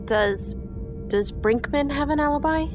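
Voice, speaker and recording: An actress playing a quietly perceptive woman who assists detectives, measured and thoughtful, in an audio drama. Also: sits high, over music. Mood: calm, focused.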